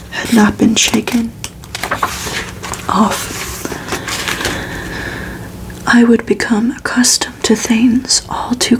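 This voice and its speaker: A woman reading a book aloud as ASMR in a hushed, breathy whisper with crackly edges. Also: fairly high pitch. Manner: slow, hushed, even delivery. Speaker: ASMR reader and host.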